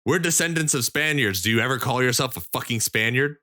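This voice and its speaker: A man's voice: medium pitch, fast, bright, forceful tone, no echo, studio quality. A man co-hosting a podcast, arguing his point in casual, profane chat and pressing with repeated questions. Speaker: podcast co-host.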